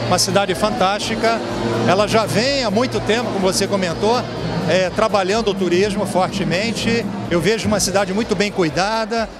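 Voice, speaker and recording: A man in his fifties with a Rio de Janeiro accent, talking up his hotel in an upbeat way at a red-carpet interview, with frequent "né?" tags. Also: high voice. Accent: Rio de Janeiro Portuguese. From Brazil. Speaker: hotel general manager. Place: indoor event hall, crowded party. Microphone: handheld mic held by interviewer. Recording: music and crowd behind.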